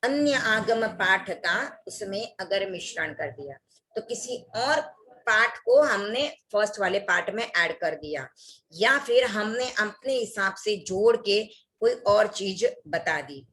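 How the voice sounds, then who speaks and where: A woman's voice: mid-range voice, lively intonation, slow, a bit bright. Lady teaching recitation over a video call, patient explaining, quotes scripture lines. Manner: explanatory, recites scripture passages to show errors. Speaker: religious teacher. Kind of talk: online workshop lesson.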